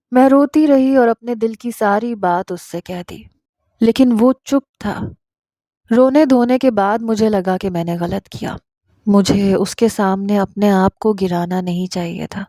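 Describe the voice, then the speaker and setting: Woman storyteller, first-person narration, mellow dark voice, dry sound. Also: mid-range voice, no room sound.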